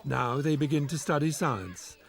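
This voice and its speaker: A man narrating a documentary in a measured, explanatory way and interviewing a teacher. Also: on the high side, animated, vocal fry.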